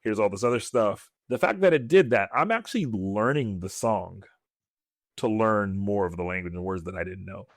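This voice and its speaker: A man with a fairly low voice co-hosts a casual podcast chat. He is animated and excitable and works through his ideas out loud. The recording is very dry and close. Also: moderate pace, dry recording. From West Africa. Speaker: podcast co-host.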